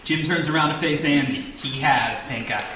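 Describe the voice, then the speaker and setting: A man's voice: on the high side, moderate pace. A man reading stage directions as scripted narration at a table read. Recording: distant, very echoey, noisy room.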